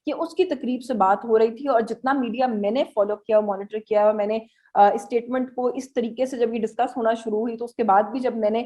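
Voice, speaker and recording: A Pakistani-accented woman speaks as a journalist analysing the news for viewers. Her voice sits fairly high. She explains step by step, pausing and hesitating as she goes, and drops English terms into her sentences. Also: fairly even intonation, warm tone. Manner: hesitant, halting explanatory delivery with English words mixed in.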